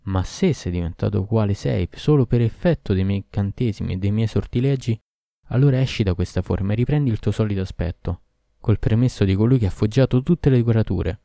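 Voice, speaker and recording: A man's voice: lowish voice, fairly quick, creaky, dark tone, no echo, studio quality. A man voicing a passionate, cruel sorceress queen in a storybook reading, lamenting and pleading. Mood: incanting.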